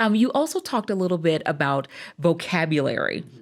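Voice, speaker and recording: The speaker talks at a moderate pace in a Southern US accent with ordinary pitch variation. The recording is very clean and the background silent. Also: woman. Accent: Southern twang, still present. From US South. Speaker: podcast host. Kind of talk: interview.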